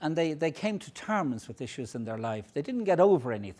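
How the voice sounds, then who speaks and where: A man with a Dublin accent and a dark, mellow tone speaks at a moderate pace on a very clean recording with a silent background. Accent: Irish (Dublin). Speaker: psychologist. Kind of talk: lecture. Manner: halting.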